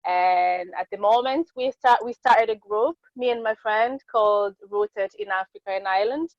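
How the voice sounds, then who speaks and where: A woman's voice: on the high side, lively intonation, normal speed, no echo, lo-fi sound. Earnest French-native woman, late twenties. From Congo. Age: late 20s. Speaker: podcast guest. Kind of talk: casual conversation.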